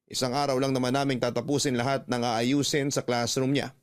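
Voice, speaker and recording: A man narrating a radio drama story in a reflective, measured first-person voice. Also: medium pitch, little pitch movement, soft background music.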